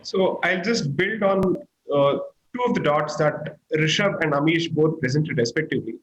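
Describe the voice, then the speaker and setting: Analytical man, high-pitched. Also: normal speed, muffled recording. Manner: structured, analytical explanation. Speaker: panel guest. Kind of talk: panel discussion.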